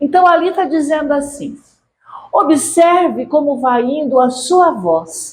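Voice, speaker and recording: Very slowly, a woman speaks in a high pitch with lively intonation, her voice carrying audible room echo. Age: 70s. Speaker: spiritist lecturer. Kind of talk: lecture. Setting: lecture hall with audience.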